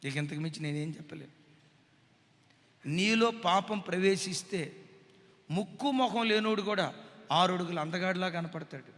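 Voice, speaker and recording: A male Telugu pastor preaching a dramatic sermon, swinging between hushed asides and loud cries. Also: high-pitched, moderate pace, pauses often, big-room sound.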